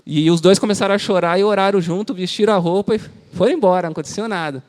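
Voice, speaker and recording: High-voiced São preacher, reverberant hall. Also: male voice, racing, darkish tone. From Brazil. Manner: conversational storytelling with slang. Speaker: lay preacher. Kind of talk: informal sermon. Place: church hall. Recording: long church-hall reverb.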